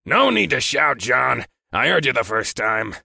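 A man's voice: mid-range voice, very animated, measured pace, vocal fry, bright, forceful tone, husky, no echo, full character voice. A harsh, rusty growl of a boss, impatient and snide, clipping his words short. A man acts him out in a dry, close sound. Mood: curt, snide. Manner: curt, snide. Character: gruff impatient male trucking boss.

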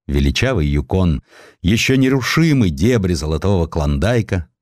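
Male narrator for historical prose: low voice, highly varied intonation, theatrical storytelling, close dry studio sound. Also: darkish tone, no echo. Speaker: audiobook narrator. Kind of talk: dramatized literary narration of a historical sketch.

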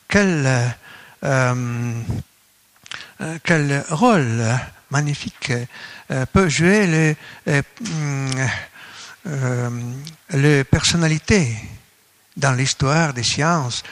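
A man from Russia with a Russian accent gives a conference lecture in non-native French, halting as he searches for words. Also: a little high. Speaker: academic speaker at a colloquium.

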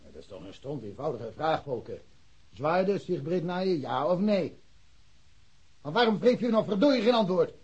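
A man acting in a radio drama as a blunt, impatient, familiar policeman with a husky voice, on a dull recording. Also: on the high side, big pitch swings, normal speed, darkish tone, heavily acted. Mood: exasperated.

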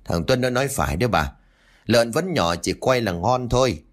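A blunt, scolding old grandfather, voiced by a male narrator. His pitch moves a lot as he curses at the dog. Told as an audio story. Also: animated, moderate pace, natural voice. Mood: plain. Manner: cursing, blunt.

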